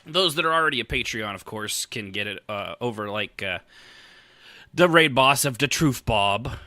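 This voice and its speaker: Male podcast host: rambling, jokey, sharply bright delivery with animated swings, recorded close and dry. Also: mid-range voice, no room sound. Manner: rambling, joking, teasing. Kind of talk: casual chat, hosting a live roleplay podcast.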